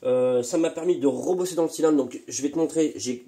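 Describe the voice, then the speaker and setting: A man's voice: a little high, a little fast, dark tone. A man with a slight cold, hosting a casual workshop vlog, talking in a rambling way full of hesitations and repeated words. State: still a bit congested from a cold. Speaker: moped engine tuner and channel host.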